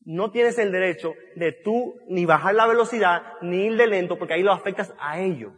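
A man's voice: high-pitched, a little fast. A man giving an emphatic motivational talk to an audience, repeating key phrases and restarting mid-sentence. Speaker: motivational speaker at a business event. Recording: long reverb of a large hall.

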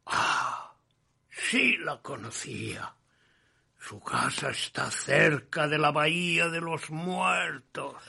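An actor playing a village local in a radio drama, with a gravelly, raspy voice and a halting, ominous manner. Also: male voice, on the high side, expressive, bright, forceful tone, full character voice. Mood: slow, ominous. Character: slow, gravelly village local man giving directions.

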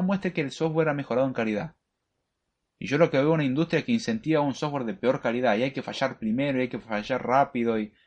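Man, mid pitch, hosting a live coding lesson with blunt, emphatic opinions. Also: slightly rough. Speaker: programming show host. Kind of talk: live-streamed programming lesson.

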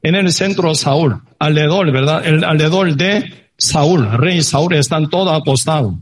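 A man preaching a sermon that retells a Bible story, halting and peppered with tag questions. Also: a little high, a little hiss or hum.

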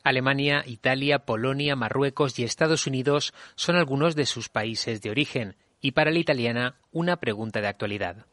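A man reading news reports for a university radio bulletin in a measured, even delivery. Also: medium pitch.

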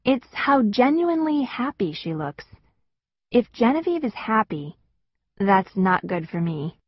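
A woman narrating an audiobook in the first person with an expressive, wistful storytelling manner. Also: on the high side, measured pace, no room sound, dull audio.

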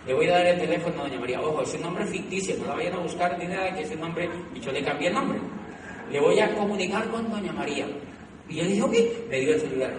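A middle-aged Colombian man telling a live motivational story, animated, repeating phrases and laughing at himself. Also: on the high side, quick pace. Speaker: motivational speaker. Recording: echoey hall, from far off, noisy.

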